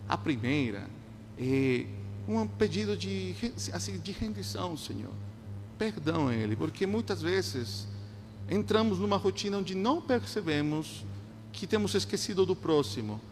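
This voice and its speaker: A man's voice: high voice, big pitch swings. Man preaching in a noisy, echoing hall. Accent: non-native, Spanish-influenced Portuguese. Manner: earnest, exhorting, with short phrases and pauses. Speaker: pastor preaching to a congregation. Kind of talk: sermon. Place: large church hall, live before a congregation. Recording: echoing hall with loud background hum.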